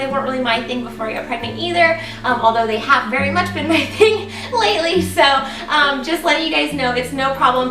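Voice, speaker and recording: Excited chatty woman, a bit congested and raspy, kinda high voice, a little far from the mic. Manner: chatty, excited, lots of ums. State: congested, getting over a cold. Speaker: vlogger. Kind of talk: casual vlog talking to viewers. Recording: echoey room, voice a bit off-mic.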